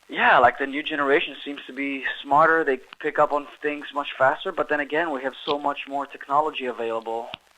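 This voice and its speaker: A man speaks at a fairly quick pace in a normal speaking voice. His pitch is fairly high and his intonation fairly even. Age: 30s. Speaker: rock guitarist. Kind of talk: phone interview.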